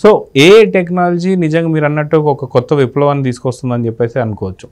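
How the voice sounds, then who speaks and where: A man's voice: on the high side, fast talker, darkish tone. A man hosting an interview, recapping points before each question. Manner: leading, recaps before asking. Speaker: interviewer, channel host.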